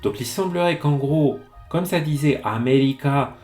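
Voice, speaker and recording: A man teaching Japanese in French on a live stream, reading passages aloud and explaining them in a chatty, lively way. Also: medium pitch, normal speed, soft background music. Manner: greets chat viewers by name. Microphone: streaming mic.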